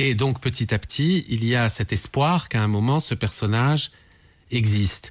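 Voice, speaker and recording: A man speaks in a French accent at medium pitch. His pace is moderate and his pitch variation ordinary. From Algeria. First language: French (speaking Italian). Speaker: novelist. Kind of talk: interview.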